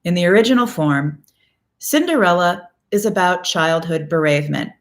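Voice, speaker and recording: A woman with a slightly low-pitched voice presents a scripted educational talk as a psychologist would to an audience of clients. Her delivery is wry and emphatic. She phrases things deliberately, setting key words apart. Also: expressive. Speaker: psychologist host.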